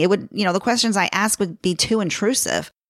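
A woman with a Chicago accent speaks at a fairly quick pace in a very clean recording with a silent background and a dry, close sound with no echo. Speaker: podcast host. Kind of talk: solo reflective monologue. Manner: casual, chatty.

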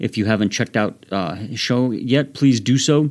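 A man talks in a normal speaking voice. His pitch varies in an ordinary way, and his pace is moderate. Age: young. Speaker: history podcast host. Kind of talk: scripted narration. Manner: frequent filler ums.

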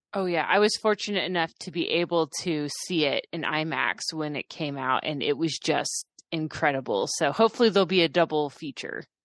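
In a normal speaking voice, a woman talks at a fairly quick pace with hardly any pauses, her fairly low pitch showing ordinary variation against a quiet background. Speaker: podcast panel guest. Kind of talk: casual chat.

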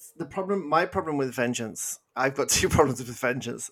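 A man at a medium pitch with a British accent. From Britain. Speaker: podcast co-host. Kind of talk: casual chat, movie review podcast. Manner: dry, sarcastic humor.

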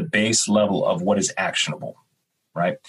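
A man with a somewhat breathy voice talks at a medium pitch and an unhurried, moderate pace. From US (army family, moved often). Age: 40s. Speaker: futurist and speaker. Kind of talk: casual interview chat.

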